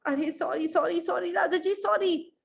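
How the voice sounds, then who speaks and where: A woman's voice: high voice, sing-song, slow, a little hiss or hum, exaggerated voice. A woman voicing a flustered royal minister in a children's story, panicky and apologetic.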